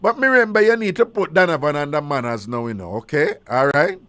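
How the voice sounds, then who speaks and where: A radio talk show host with a Jamaican accent runs a live call-in program, teasing callers and playfully repeating their answers. His voice is a little high and fairly bright, and he sounds animated and brisk.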